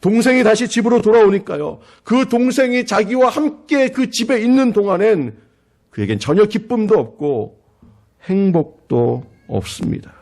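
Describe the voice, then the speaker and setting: A man's voice: high-pitched, animated, normal speed, a little mellow. A male pastor preaching a sermon in a church, dramatizing quotes and rhetorical questions. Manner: dramatic, acting out quoted voices with rising intensity.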